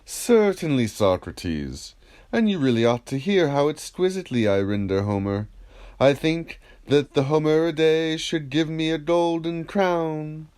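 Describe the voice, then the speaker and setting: A man acts out a vain ancient Greek rhapsode in a philosophical audiobook. The voice is lifted and swings widely, with proud, eager emphasis and a soft, mellow tone. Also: on the high side, lively intonation, unhurried, clear, resonant tone, pitched above the performer's own voice. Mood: boastful. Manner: boastful, emphatic short answers. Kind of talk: audiobook reading of philosophical dialogue.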